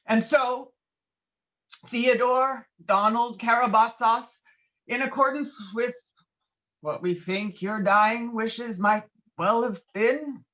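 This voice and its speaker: A woman's voice: fairly high pitch, takes it slowly, long pauses, a bit bright, dull audio. A woman playing a hot-headed, pompous middle-aged male veteran and bowler in an online script read. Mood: solemn, pompous. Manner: blustering, pompous, foul-mouthed. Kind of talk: virtual table read of a film script. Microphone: video call.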